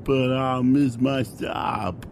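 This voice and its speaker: A man playing a gravelly, befuddled drunk. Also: medium pitch, lively intonation, slow pace, slight background noise. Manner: muddled, stammering, repeats himself. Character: drunk, dim-witted male airline passenger. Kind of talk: comic radio play acting.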